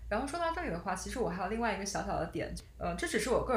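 Noticeable background noise and audible room echo around a woman talking. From China. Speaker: podcast co-host, corporate manager. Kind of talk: casual chat.

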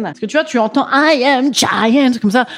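A woman talks at a moderate pace with an animated tone. Noticeable background noise runs underneath. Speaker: podcast host. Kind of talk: casual solo monologue. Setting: alone at home. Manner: quiet.

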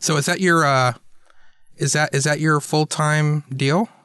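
In an American accent, the voice has a bright, sharp tone, fairly even intonation, and very even loudness at a fairly slow pace with long, frequent pauses. The sound is dry and close with no echo against a quiet background. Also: man. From US South. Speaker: podcast host. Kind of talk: casual interview chat.

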